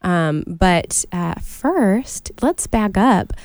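A woman co-hosting a conversational Christian radio show, earnest and encouraging, her voice slightly raspy like a smoker's as she gets over a cold. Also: medium pitch, lively intonation, extremely slow, darkish tone, no echo, clean studio sound. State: recovering from a cold.

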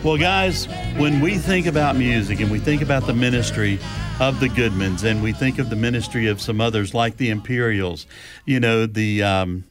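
A man's voice: medium pitch, moderate pace, faint music behind. A man hosting a Christian radio talk show and reading out listener questions in a friendly manner.

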